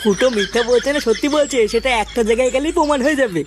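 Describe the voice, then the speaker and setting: A man's voice: very high-pitched, noisy background. A man playing a skeptical, grumbling village family man in a comedy cartoon, with an exasperated manner. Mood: skeptical, brisk. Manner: brisk, exasperated.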